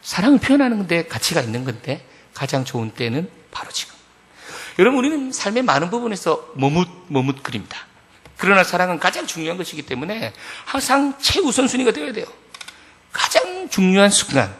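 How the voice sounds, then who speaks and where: A middle-aged male pastor delivering a sermon in an animated, storytelling way, speaking directly to his congregation. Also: sits high, brisk. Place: church sanctuary. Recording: echoey church hall.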